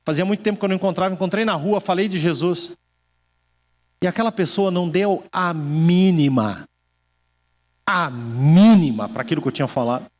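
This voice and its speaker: High-voiced preacher in a reverberant hall. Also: male voice, darkish tone. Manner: storytelling preacher, acts out quoted voices, slows for emphasis. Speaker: pastor. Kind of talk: sermon. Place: church hall.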